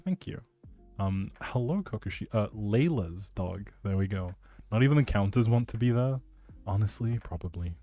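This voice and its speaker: Male game streamer, lowish voice, casual and playfully rambling delivery, music underneath. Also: mellow. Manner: playful, self-deprecating, rambling. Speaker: streamer, host. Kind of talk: casual livestream chat, showing a game build.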